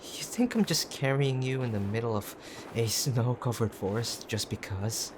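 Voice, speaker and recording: A man playing a gruff, teasing tsundere boyfriend who is frightened and tender underneath, in an intimate audio drama with brusque, halting urgency. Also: medium pitch, natural voice. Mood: pleading. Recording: clear background ambient noise.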